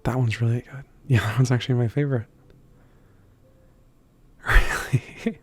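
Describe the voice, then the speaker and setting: A man playing a kind, slightly awkward stranger in an ASMR roleplay, speaking gently and hesitantly with soft, casual phrasing. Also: mid-range voice, fairly even intonation, slightly rough, natural voice. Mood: warm, attentive. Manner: gentle, hesitant, softly chuckling, halting with thinking pauses.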